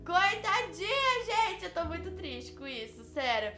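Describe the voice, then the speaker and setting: Bright-voiced chatty woman host. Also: extremely high pitch, very animated, unhurried. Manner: chatty, talks straight to viewers. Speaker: YouTube host. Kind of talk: casual reaction commentary. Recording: roomy room, faint music behind.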